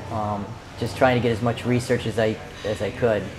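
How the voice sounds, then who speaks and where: A man is speaking. Background noise is noticeable. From Connecticut, US. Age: 50s. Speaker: retired biomedical equipment technician and expat. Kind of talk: casual interview. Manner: hesitant, many fillers. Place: cafe.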